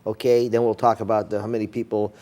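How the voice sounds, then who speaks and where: A man's voice: lowish voice, flat delivery, fast talker, mellow. A man hosting a local TV talk show, who talks in a folksy, rambling way with many fillers and restarts.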